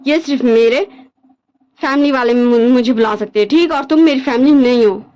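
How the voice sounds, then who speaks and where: A woman's voice: fairly high pitch, normal speed, highs cut off, voice pushed down, natural voice. A woman voicing a cold, angry young man who curtly rejects his spouse in a storybook read-aloud. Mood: cold anger. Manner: curt, scornful, forceful.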